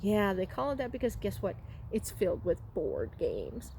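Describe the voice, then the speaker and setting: A woman's voice: medium pitch, huge pitch swings, moderate pace, mellow. A woman voicing a friendly, doubtful storybook girl who talks casually and frankly. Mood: chatty. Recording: clearly noisy room recording.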